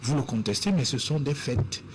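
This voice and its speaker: A man on a TV panel, speaking in a measured, deliberate way with frequent pauses and fillers. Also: medium pitch, lively intonation, a little hiss or hum. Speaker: panel guest. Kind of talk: measured TV debate.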